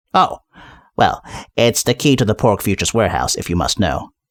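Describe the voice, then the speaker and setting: This man puts on a character voice at a medium pitch. He talks at a fairly quick pace in a very clean recording with a silent background. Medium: read story. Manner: blustering, pugnacious.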